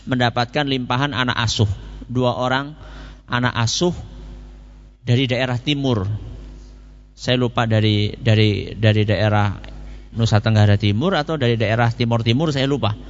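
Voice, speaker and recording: A man's voice: mid-range voice, fairly even intonation, moderate pace, pauses often, big-room sound, dull audio. A man giving a Quran commentary lecture, telling stories and asking questions he answers himself. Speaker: preacher.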